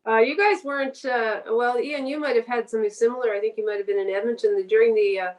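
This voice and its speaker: A woman's voice: on the high side, steady tone, fast, a little mellow, a little hiss or hum. A woman with a Canadian accent speaking casually as a guest writer, hesitant and searching for her words. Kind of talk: casual literary interview.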